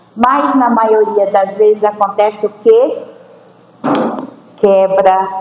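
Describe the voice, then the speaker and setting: Through noticeable background noise, a woman speaks at a very slow pace and a medium pitch with ordinary pitch variation. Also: long, frequent pauses, very even loudness. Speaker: spiritist lecturer. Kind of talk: lecture. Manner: loud; animated. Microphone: no microphone.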